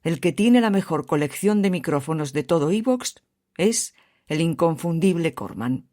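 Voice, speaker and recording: A man's voice: on the high side, expressive, normal speed, darkish tone. Theatrical Spanish man barging in. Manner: theatrical, bossy. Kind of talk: comic sketch.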